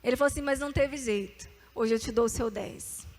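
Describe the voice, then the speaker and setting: A young woman with a high, light voice preaches to a youth group. She tells her own story and keeps calling the crowd to answer amen and repeat lines after her. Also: brisk, soft background music. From Brazil. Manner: animated, calls for amens and repeat-after-me. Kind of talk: sermon with testimony.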